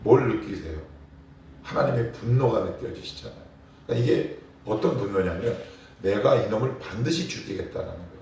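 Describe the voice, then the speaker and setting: A man's voice: lowish voice, expressive, brisk, vocal fry, darkish tone, a little hiss or hum. Male pastor, morning sermon, emphatic, rhetorical questions, echoey sanctuary, distant mic. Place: church sanctuary.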